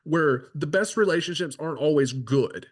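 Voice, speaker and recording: A man's voice: fairly high pitch, moderate pace, husky. Conversational male horse trainer. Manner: conversational, keeps asking "right?"; frequent restarts and filler. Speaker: horse trainer and podcast host. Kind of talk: casual instructional talk.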